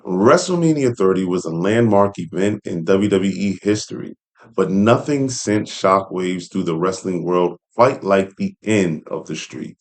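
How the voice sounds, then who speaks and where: A man's voice: sits low, unhurried. A man hosting a read-along commentary, speaking in a casual, conversational and emphatic way. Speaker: host reading an article aloud with commentary.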